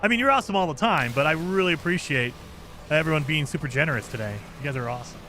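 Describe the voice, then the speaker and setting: A man streaming a game live, chatting casually and reading viewer comments, with a voice he calls high-pitched for a man. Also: very fast, a little hiss or hum. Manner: chatty, lively, self-deprecating.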